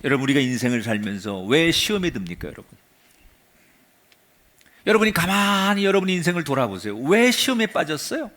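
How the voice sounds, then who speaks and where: A male pastor delivers a dramatic sermon in a church, his voice sitting a little high for a man. He swings from raised passages down to hushed, near-silent murmurs and has the congregation repeat phrases back to him. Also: big pitch swings, brisk. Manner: leads the congregation in call-and-response.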